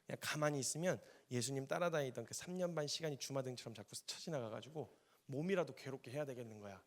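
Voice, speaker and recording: A man's voice: medium pitch, quick pace. A man preaching a sermon as a missionary, telling the story vividly and acting out the dialogue in casual speech. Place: church.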